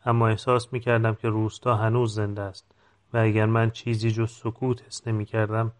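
Calm male audiobook narrator. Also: lowish voice. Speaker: audiobook reader. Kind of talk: scripted literary narration.

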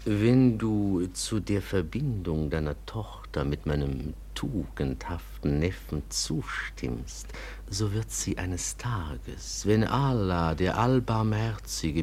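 Slow, deep, courtly Arab merchant. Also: male voice, animated, a little mellow, a little hiss or hum, heavily acted. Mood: courtly, persuasive. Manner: ceremonious, measured, flowery formal speech. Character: dignified, wealthy, devout older Arab merchant, persuasive. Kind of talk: literary radio drama acting.

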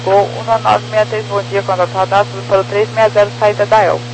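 A man's voice: high voice, level tone, quick pace, creaky, music in the background. A man working as an air traffic controller directs flights in clipped procedural phrases over crackly radio. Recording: humming, noisy radio transmission.

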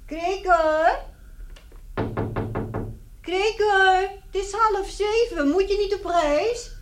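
A woman playing an anxious mother in a radio play, calling out to her son in a drawn-out, coaxing way. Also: very high voice, noisy background, heavily acted. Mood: coaxing concern.

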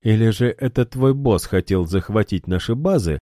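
A man's voice: fairly low pitch, lively intonation, warm tone, dry recording, studio quality, voice pushed up, lightly acted. Man doing a brash, taunting fighter. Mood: suspicious. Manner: sarcastic, taunting, quick to anger. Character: brash mocking young man, hot-tempered fighter.

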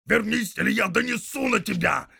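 A man voicing a huge, brutal male orc warrior who shouts threats loudly and menacingly. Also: mid-range voice, steady tone, unhurried, gravelly, slightly rough, dry recording, clean studio sound, exaggerated voice.

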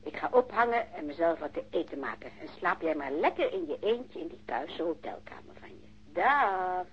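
Low, animated, teasing lover. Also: female voice, moderate pace. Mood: exasperated. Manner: teasing, blunt, insistent. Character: policeman's bold, teasing, affectionate woman lover. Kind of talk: naturalistic radio play acting. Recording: dull, noisy old radio recording.

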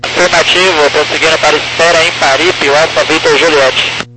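A man's voice: fairly high pitch, fairly even intonation, brisk. A man with a Brazilian accent speaking as a pilot over the radio, giving terse aviation readbacks. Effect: radio transmission. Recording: noisy humming aircraft radio channel.

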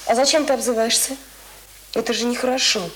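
An actress as a lively young woman in a radio play, easily astonished. She exclaims and questions in a fairly high voice. The old recording is clearly noisy. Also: brisk, close to an everyday voice. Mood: indignant.

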